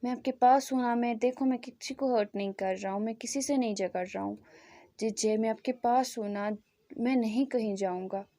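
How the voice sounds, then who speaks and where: A woman voicing a young man, a protective younger brother who soothes and pleads gently in a told story. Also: a little high, normal speed, natural voice. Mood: soothing. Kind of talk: storytelling fan fiction.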